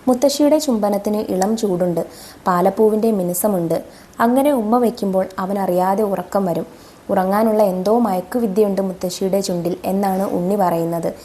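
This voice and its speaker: A woman's voice: medium pitch, normal speed, dark tone, slight background noise. A woman teacher reads exam questions and model answers aloud, talking to her pupils. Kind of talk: exam answer walkthrough for children.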